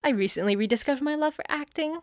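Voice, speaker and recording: A woman's voice: sits high, quick pace, close to an everyday voice. A woman playing a breezy, theatrical schoolgirl in an audio drama comedy, chatty and slangy as she tells things dramatically. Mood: breezy storytelling. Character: breezy, theatrical teenage girl student, loves acting.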